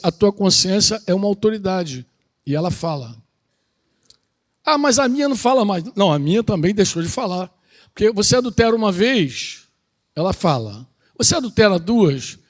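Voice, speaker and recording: Preacher, man, middle-aged, high voice, informal sermon with questions to the congregation. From Brazil. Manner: conversational, asks the congregation questions. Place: outdoor country retreat gathering.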